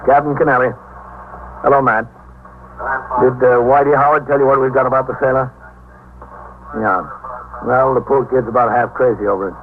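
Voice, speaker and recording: An actor in a 1950s radio drama playing a calm precinct captain who also narrates. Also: male voice, mid-range voice, lightly acted. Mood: steady. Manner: measured, deliberate. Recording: tinny old radio broadcast with faint hiss.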